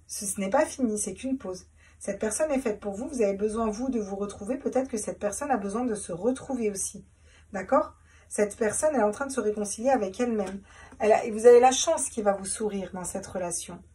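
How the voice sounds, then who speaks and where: A woman's voice: mid-range voice, brisk, dark tone, breathy edge, far from the mic. A woman doing a casual tarot reading, chatty, repeating herself and laughing at her own jokes. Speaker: tarot reader.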